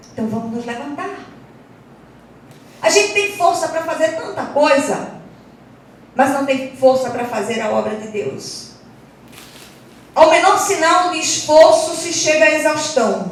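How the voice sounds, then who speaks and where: A woman with a high pitch and lively intonation, at a fairly slow pace with long, frequent pauses and big swings in loudness, amid noticeable background noise and audible room echo. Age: 60s. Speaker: preacher. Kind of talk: sermon.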